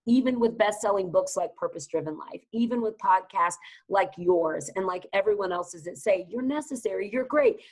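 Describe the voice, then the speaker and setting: Energetic Southern woman from Texas. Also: medium pitch, normal speed. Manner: energetic, emphatic, motivational. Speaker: guest business advisor. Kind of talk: podcast interview.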